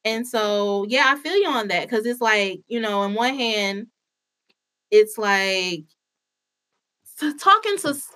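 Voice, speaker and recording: A woman's voice: mid-range voice, animated, slow, pauses often, bright, forceful tone. A woman with an African American accent in a casual, candid chat, speaking informally and swearing freely.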